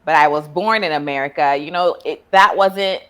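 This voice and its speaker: A woman's voice: deep voice, moderate pace, a bit bright, smooth. A woman from Ghana hosting a casual interview as a therapist, asking friendly questions and laughing easily. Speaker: therapist and podcast host.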